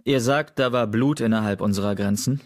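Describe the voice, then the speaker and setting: A man's voice: fairly low pitch, a little fast, darkish tone, natural voice. A man voicing a stern male cat who leads his clan and gives orders in an audiobook. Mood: commanding. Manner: commanding, growled.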